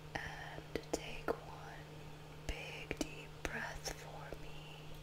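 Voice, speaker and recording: A woman whispers in a calm tone at a very slow pace. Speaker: reiki practitioner. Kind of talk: ASMR reiki session. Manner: whispered; soft-spoken, calm. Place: home room. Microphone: studio mic.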